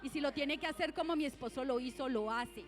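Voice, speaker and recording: A woman's voice: high-pitched, fairly quick, faint music behind. A middle-aged woman pastor with a Colombian Spanish accent, preaching a sermon in church, exhorting the congregation and asking them questions.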